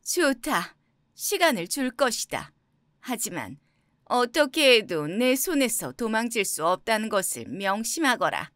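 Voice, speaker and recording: A woman voicing a shrill sneering old witch. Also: sing-song, a little slow, no room sound, clean studio sound. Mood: threatening. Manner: loud, sneering and threatening. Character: menacing old female witch, scornful. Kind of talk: storybook character voice.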